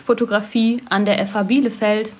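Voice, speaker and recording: A woman's voice: medium pitch, flat delivery, normal speed, husky. Casual young woman student. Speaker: photography student.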